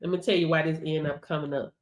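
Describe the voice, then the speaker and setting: A woman's voice: deep voice, fairly even intonation, quick pace. A woman leading a workshop in a preachy, motivational way. She repeats phrases for emphasis, laughs often and calls her listeners baby. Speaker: workshop instructor.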